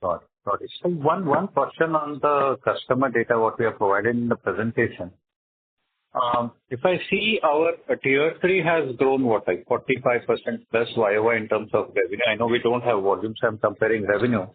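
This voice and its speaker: A man's voice: mid-range voice, animated, fairly quick, a little hiss or hum. A man asking questions as an investor analyst on an earnings call. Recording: thin, phone-like conference line.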